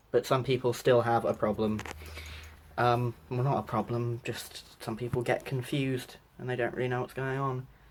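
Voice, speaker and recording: A somewhat breathy man talks at a moderate pace and medium pitch, his intonation monotone and flat. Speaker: vlogger. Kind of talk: casual vlog monologue. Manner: halting.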